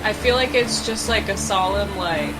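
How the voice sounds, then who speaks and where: A woman's voice: medium pitch, moderate pace, rough recording. Woman player in a tabletop game, midrange voice, playful slangy chat, music behind her.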